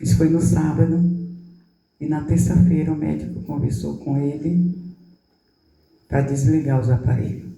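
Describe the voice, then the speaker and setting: Senhora de setenta anos, voz escura e distante. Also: female voice, deep voice, steady tone, normal speed, creaky, pauses often. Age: 70s. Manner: tender storytelling, acting out quoted dialogue, voice dropping soft. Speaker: apostle preaching. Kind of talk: emotional testimony in a sermon. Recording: roomy hall, voice from a distance.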